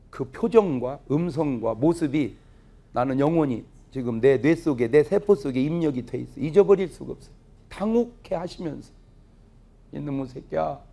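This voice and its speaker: A middle-aged man, a pastor, preaching a revival sermon full of humorous family stories that he acts out in dialogue. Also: a little high. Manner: lively storytelling, acting out family dialogue. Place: church revival meeting, audience laughing.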